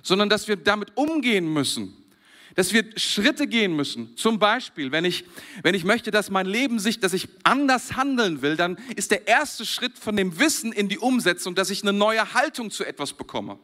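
Lively high-voiced German preacher man. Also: moderate pace. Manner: animated, chuckles often between phrases. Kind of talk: lively sermon to a congregation.

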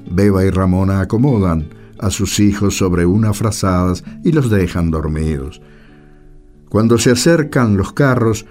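A man's voice: lowish voice, a little mellow. A man with an Argentine accent reading scripted narration for a radio drama.

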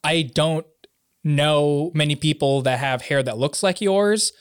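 A man's voice: on the high side, unhurried, smooth, no room sound, studio quality. A man in his late twenties chatting casually and telling joking anecdotes among friends.

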